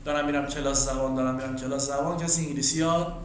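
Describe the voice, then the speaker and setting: A man with a Persian accent, a native Persian speaker teaching English in a classroom. He says model sentences slowly and clearly, then adds quick explanations. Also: mid-range voice, fairly even intonation, a little hiss or hum. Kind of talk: classroom language drill. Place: classroom with students. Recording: echoey room with chorus of students.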